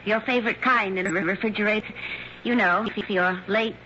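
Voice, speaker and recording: An actress playing a writer's wife, sweet and tired, in an affectionate, fussy manner. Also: female voice, mid-range voice, steady tone, a little fast, pushed and bright, a little hiss or hum, natural voice. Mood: weary. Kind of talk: 1960s radio drama acting. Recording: lo-fi old radio broadcast.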